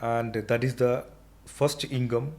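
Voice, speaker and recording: A middle-aged man speaks with an Indian accent as a podcast guest. His voice sits at an average pitch. He talks conversationally, explaining step by step and repeating phrases to stress them. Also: fairly even intonation, takes it slowly, a little mellow. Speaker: entrepreneur interview guest.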